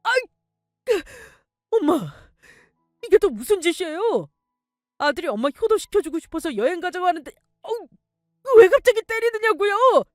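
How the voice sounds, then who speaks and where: A woman's voice: very high voice, very animated, normal speed, long pauses, no echo, clean studio sound, soft background music, voice pushed up. A woman voicing a whiny, greedy grown son who protests and pleads in a dramatic story reading. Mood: angry. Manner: whining and pleading.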